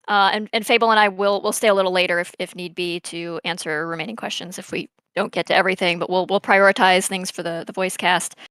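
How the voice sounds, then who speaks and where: A woman's voice: lowish voice, fairly even intonation, quick pace, few pauses, fairly bright tone, smooth, no echo. A woman who makes comics hosting a livestream, chatting casually with many fillers and restarts. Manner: chatty, hesitant with fillers and repeats. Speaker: comic artist and stream host.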